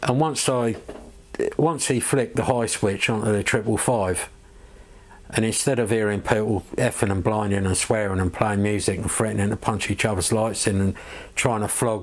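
This man has a plain, everyday voice with a fairly low pitch. He keeps a moderate pace and fairly even intonation. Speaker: radio hobbyist. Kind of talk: casual vlog chat. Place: home room.

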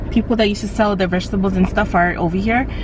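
A woman's voice, dry with no echo. There is noticeable noise in the background. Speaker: vlogger. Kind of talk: casual vlog chat. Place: car. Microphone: phone near.

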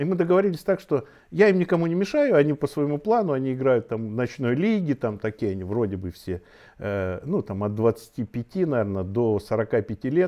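His pitch swings very widely as a man speaks at a fairly quick pace against a quiet background. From Siberia (Novosibirsk). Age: 60s. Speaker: numerologist; interviewee, numerology teacher. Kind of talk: interview; interview answer. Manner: conversational, hesitant with fillers. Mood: warm, nostalgic. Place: home room.

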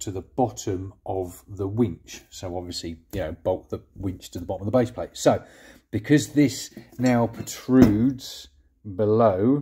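A man talks very slowly in a somewhat breathy, dark, mellow voice, fairly low in pitch with ordinary pitch variation. Noticeable background noise sits behind him. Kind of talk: tutorial. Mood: casual, humorous. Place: garage. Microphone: phone near.

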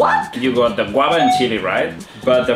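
A man keeps a moderate pace while clear music runs in the background. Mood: playful, amused. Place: home room.

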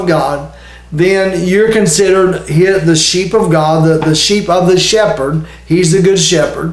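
With audible room echo, a man speaks at a high pitch, fairly slowly and with fairly even intonation. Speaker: preacher teacher. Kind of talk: sermon. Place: home room.

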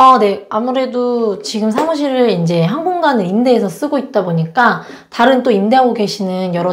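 A woman's somewhat breathy voice, fairly high in pitch, with lively intonation at a moderate pace, over a quiet background. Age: 20s. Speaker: online seller. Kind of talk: interview. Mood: calm, friendly. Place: office. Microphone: lapel.

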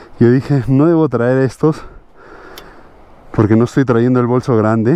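Speech moves at a fairly slow pace with ordinary pitch variation. The sound is dry, with no echo. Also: man. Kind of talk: casual vlog chat. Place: open country. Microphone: helmet.

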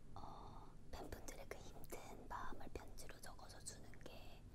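Through loud background noise, a woman talks at a very slow pace. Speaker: K-pop idol, member of a girl group. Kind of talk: ASMR whispered talk to camera. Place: home room. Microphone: lapel.

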